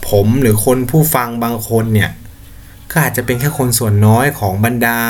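A man's voice: medium pitch, a little hiss or hum. A young man hosting a podcast, talking casually in a blunt, slangy, argumentative way. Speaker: podcast host. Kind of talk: casual solo commentary.

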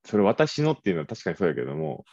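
A low-voiced man with a Kansai accent co-hosts a casual podcast, teasing and playful. His pitch rises and falls a lot as he talks. The sound is dry and a little dull. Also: huge pitch swings, rapid-fire, dark tone, no echo. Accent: Kansai Japanese. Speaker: marketing radio producer, co-host.

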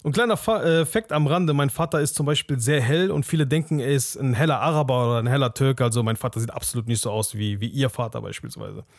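A young man hosting a podcast, telling a personal story in a casual, animated way, often tagging sentences with "ne?" and dropping into hushed asides. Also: medium pitch, fast, few pauses, no echo, studio quality. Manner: animated, acts out the other people's lines; casual, with frequent "ne?" tags. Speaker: podcast host.

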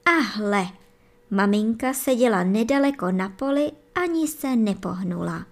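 A woman gently and expressively reading a bedtime fairy tale for children. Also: medium pitch, expressive. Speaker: storyteller.

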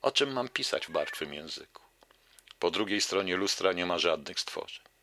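A man's voice: low voice, expressive, normal speed, pushed and bright, no room sound. A man hosting his own radio show, reciting his poems in a solemn, declaiming voice with casual asides to listeners. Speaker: internet radio host and poet. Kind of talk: poetry reading with casual asides.

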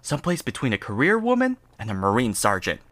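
Bright-voiced, eager delivery man. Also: medium pitch, wildly swooping pitch, fast, no room sound. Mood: chatty, confiding. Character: eager, gossipy 1950 telegram delivery man. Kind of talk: comedic old-time radio acting.

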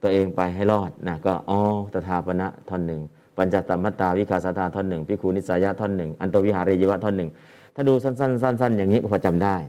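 A man's voice: low-pitched, mellow. A man teaching Pali translation to a class and explaining patiently, often repeating his phrases.

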